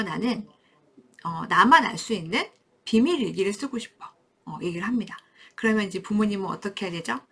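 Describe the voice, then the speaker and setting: A woman giving a parenting lecture to camera, explaining things warmly and acting out short quotes from parents and children. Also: mid-range voice, husky. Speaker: parenting educator. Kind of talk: talking-head parenting lecture.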